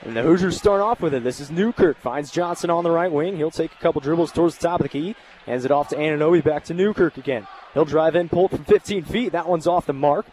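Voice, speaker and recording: A young man calls basketball play by play in a fairly high voice. He follows the action live as a sportscaster, with faint game noise around him. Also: fast, darkish tone. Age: young adult. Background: basketball game ambience.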